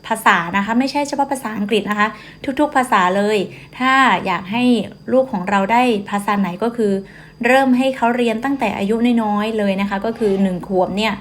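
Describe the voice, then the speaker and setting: Sitting in a car, a vlogger chats casually to the camera, addressing her viewers patiently and politely. Her voice is on the high side and brisk.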